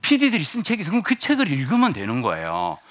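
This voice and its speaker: A man's voice: on the high side, very fast. A man in his fifties giving a motivational lecture to an audience, joking and asking them questions. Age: 50s. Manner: lively, jokey, asks the audience questions.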